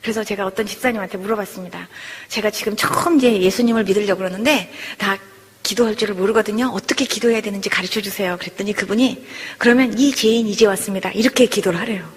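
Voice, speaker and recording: A woman pastor giving an emotional testimony, telling her story with lively acted-out dialogue that rises into pleading. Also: mid-range voice, quick pace, slightly rough. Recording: long hall reverb.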